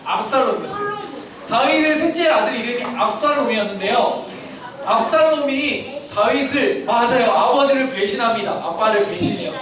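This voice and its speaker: A man's voice: very high-pitched, lively intonation, moderate pace, crowd noise. A man preaching to children at church and leading them in call-and-response answers. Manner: asks kids questions, leads call-and-response. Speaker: children's pastor. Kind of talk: interactive children's sermon. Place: church hall. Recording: very echoey hall, distant mic, children audible.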